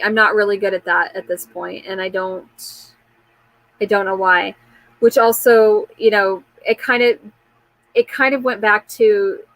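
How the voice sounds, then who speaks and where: A woman's voice: medium pitch, no echo, rough recording. Candid rambling woman in her forties. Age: 40s. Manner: candid and rambling, answering viewer comments; frequent fillers and trailing restarts. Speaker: live chat host. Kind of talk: casual live-stream chat.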